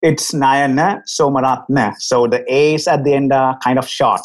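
A man's voice: medium pitch, fairly even intonation, normal speed. A man in his thirties from Sri Lanka with a Sri Lankan accent, a doctor guest telling his story frankly and articulately over a video call. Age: 30s. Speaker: doctor and company CEO, guest. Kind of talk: casual interview.

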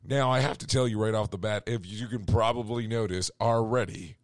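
Hoarse guy doing a news talk show, low-ish voice, dry sound, keeps correcting himself and cracking sarcastic asides. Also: fairly even intonation, brisk, no echo. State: hoarse, losing his voice. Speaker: radio show host. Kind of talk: casual news commentary.

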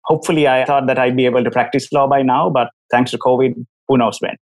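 This fast talker has a mid-range, steady voice, captured in a rough recording. He is a Sri Lankan man in his thirties with a Sri Lankan accent, a doctor and company CEO, appearing as a guest in a casual video-call interview and telling his story frankly and articulately.

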